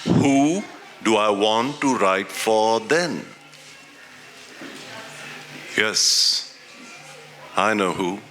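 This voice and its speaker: A man giving a theatrical, deliberately phrased live reading of a short story. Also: fairly low pitch, lively intonation, a bit bright. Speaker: presenter and dramatic reader. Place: outdoor literature festival garden stage. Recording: faintly noisy live outdoor event.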